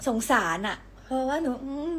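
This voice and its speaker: A young woman hosting a casual livestream from home, telling stories in a chatty, giggly, animated way. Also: a little fast. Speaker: idol livestream host.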